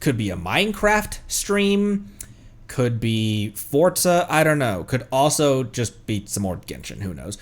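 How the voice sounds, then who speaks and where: A man's voice: mid-range voice, big pitch swings, unhurried. A man chatting casually on a livestream as the streamer, playful and rambling.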